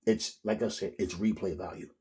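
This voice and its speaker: A man, giving a blunt, profane, animated solo rant as a boxing commentary host. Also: lowish voice, moderate pace. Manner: blunt, profane, animated, mimics others in quotes.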